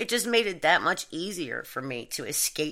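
Over a silent background on a very clean recording, a woman speaks at a fairly slow pace with a bright, sharp tone and vocal fry. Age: 40s. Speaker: spiritual podcast host. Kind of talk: motivational monologue.

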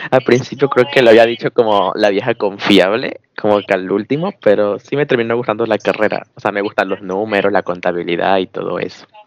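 A man with an ordinary speaking voice, fairly low in pitch, at a fairly quick pace with ordinary pitch variation, in a dry, close sound with no echo. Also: hardly any pauses. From Ecuador. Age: 20s. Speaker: TikTok creator. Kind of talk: interview.

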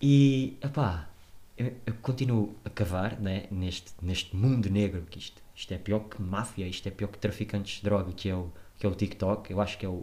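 A soft-spoken man with a European Portuguese accent talks at a moderate pace in a somewhat breathy, fairly low voice with ordinary pitch variation. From Portugal, Leiria area. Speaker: podcaster. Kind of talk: casual solo monologue. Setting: at home. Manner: animated.

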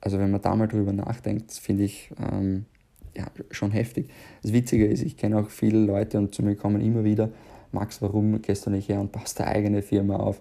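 With a dark, mellow tone and a fairly low pitch, a man speaks in a monotone, flat intonation broken by long, frequent pauses. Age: 20s. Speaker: network marketer and podcast host. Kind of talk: solo podcast monologue. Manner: many fillers and repetitions.

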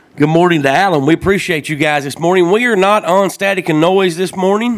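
The voice is loud, with ordinary pitch variation. It moves at a fairly quick pace. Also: man. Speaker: podcast host. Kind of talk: casual chat. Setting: live-streamed studio with mics.

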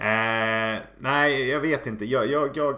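A man talks in a bright, sharp tone. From Åland, Finland. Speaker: football podcast co-host. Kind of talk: casual chat. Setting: remote recording.

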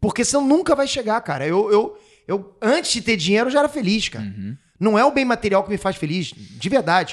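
High in pitch, a man talks at a fairly quick pace. His intonation is lively. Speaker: YouTube content creator. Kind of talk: casual interview chat.

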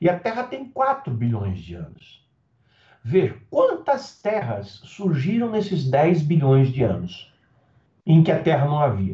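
The voice has a dark, mellow tone, a very slow pace and very wide pitch swings. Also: man, fairly high pitch for a man. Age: 50s. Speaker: ufologist. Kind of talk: interview.

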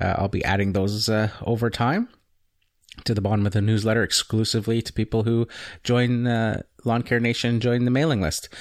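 A man talks at a fairly quick pace with a medium pitch and fairly even intonation. The recording is very clean with a silent background. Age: 40s. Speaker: podcast host and lawn care business owner. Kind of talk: solo podcast monologue. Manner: halting, many fillers.

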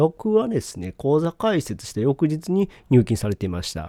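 Over a silent background in a very clean recording, a man's dark, mellow voice makes very wide pitch swings, the sound dry and close with no echo. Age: 40s. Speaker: podcast host. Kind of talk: casual monologue. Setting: solo recording. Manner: chatty, frequent laughter.

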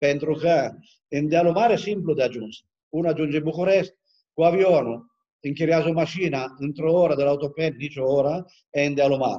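At a fairly quick pace, a man speaks with a fairly high pitch and ordinary pitch variation. His tone is dark and mellow. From Italy, Piedmont. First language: Italian (speaking Romanian). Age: 50s. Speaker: winemaker. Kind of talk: interview. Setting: video call. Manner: halting.

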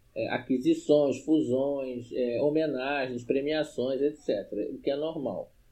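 At a very slow pace, a man talks in a fairly high pitch with monotone, flat intonation. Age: 50s. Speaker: LinkedIn trainer. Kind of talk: interview.

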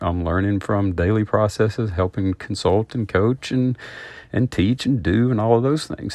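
A man with a Southern US accent speaks at a moderate pace in a fairly low pitch with ordinary pitch variation. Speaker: podcast host. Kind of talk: solo podcast monologue. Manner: informal, conversational.

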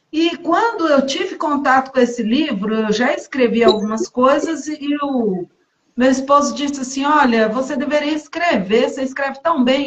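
Her pitch is high for a woman, with ordinary variation. She talks at a moderate pace. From Minas Gerais, Brazil (Belo Horizonte area). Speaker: author and therapist. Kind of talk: interview on a live stream.

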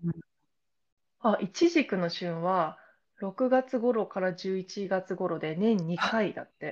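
Here a woman with medium pitch speaks at a very slow pace. Her pitch variation is ordinary, and the background is quiet. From Japan, Toyama. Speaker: podcast co-host. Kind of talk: casual chat. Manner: slow, clear for learners.

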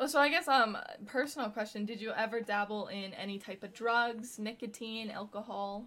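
A woman with an ordinary speaking voice, fairly high pitch, ordinary pitch variation and a moderate pace. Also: big swings in loudness. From Canada.

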